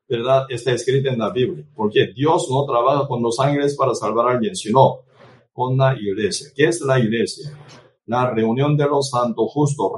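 Guy preaching a sermon, says "right?" after everything, halting, stops to cite verses, mic sits a ways off. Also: mid-range voice. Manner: tags nearly every phrase with a questioning "right?"; halting, restarts phrases and cites scripture chapter and verse. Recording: voice distant from the microphone.

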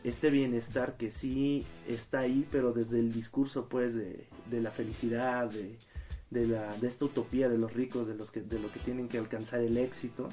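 A man, co-hosting a podcast. His voice is dark and mellow, and his pitch sits in a middling range. He takes his time and works through ideas in a thoughtful, analytical way. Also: level tone, normal speed, soft background music. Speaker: podcast co-host. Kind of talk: casual film discussion.

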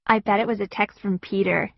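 A woman voicing a bold, demanding young girl with a high, pert delivery. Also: steady tone, a little fast, gravelly, dry recording, dull audio.

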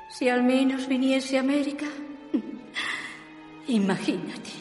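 A woman's voice: on the high side, darkish tone. An actress playing an affectionate, wistful married woman in a radio drama, speaking tenderly and pleadingly. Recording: long echoing reverb over music.

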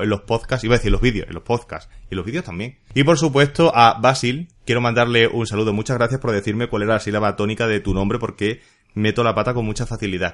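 A man's voice: on the low side, a bit bright. A man hosting a casual solo podcast, chatty and jokey with playful asides. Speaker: podcast host.

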